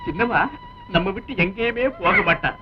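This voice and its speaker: An actor playing an anxious, loving husband in a 1960s film melodrama, soothing and pleading. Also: male voice, very high-pitched, wildly swooping pitch, normal speed, a crowd in the background, full character voice. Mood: comforting. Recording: dull old film soundtrack with music.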